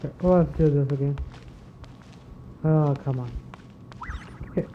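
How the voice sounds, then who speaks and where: A woman's voice: low-pitched, a little slow, narrow, tinny audio, a little hiss or hum. A woman giving casual commentary while she plays a video game. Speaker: gaming streamer. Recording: game music behind the voice. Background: video game music.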